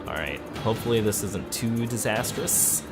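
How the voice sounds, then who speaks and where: A man's voice: lowish voice, animated, moderate pace. A man hosting a let's play, giving casual gameplay commentary and thinking aloud as he plans each step. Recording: loud game music and vehicle sounds behind. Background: video game music and engine noise.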